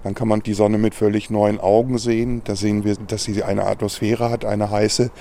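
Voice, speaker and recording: Scientist guy explaining stuff in an interview, deepish, lots of fry, mellow. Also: flat delivery, moderate pace. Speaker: astrophysicist being interviewed.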